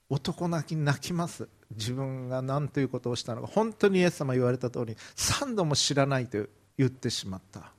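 Japanese pastor retelling a Bible story. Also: male voice, on the high side. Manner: vivid retelling, briefly acting out quoted lines. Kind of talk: sermon storytelling.

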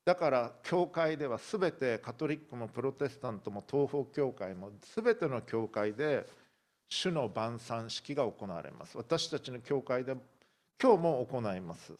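A male pastor preaching a sermon, telling a story vividly and acting out the voices he quotes. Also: medium pitch.

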